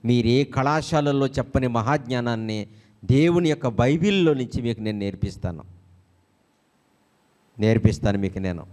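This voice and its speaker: A man preaching a sermon as a pastor, with a Telugu accent, animated and joking, acting out quotes. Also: mid-range voice, normal speed, pauses often.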